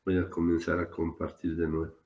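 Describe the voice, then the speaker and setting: Low-voiced man lecturing with a sore throat. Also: completely flat delivery, darkish tone, highs cut off. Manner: slow, repetitive explaining with pauses. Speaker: surgery lecturer. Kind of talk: online lecture. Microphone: computer mic on a video call. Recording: roomy video call audio.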